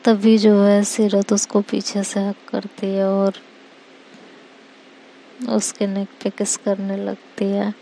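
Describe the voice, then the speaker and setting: A woman telling a romance story in a relaxed, conversational way with casual filler phrases. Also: medium pitch, slow, gravelly, pauses often, a little hiss or hum.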